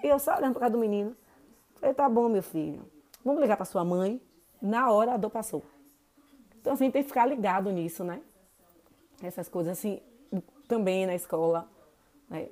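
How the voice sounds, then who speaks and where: A woman's voice: mid-range voice, mellow. A woman in her forties from Salvador with a Bahian Portuguese accent, hosting a casual monologue podcast and chatting straight to her listeners. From Brazil. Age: 40s. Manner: chatty, keeps addressing listeners with "gente" and "né". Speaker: podcast host.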